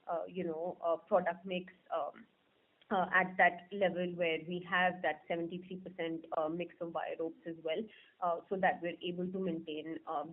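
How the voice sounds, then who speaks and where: A man answering business questions as a company executive, unscripted and formal, with hesitant pauses. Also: high voice. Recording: narrow, muffled phone conference line.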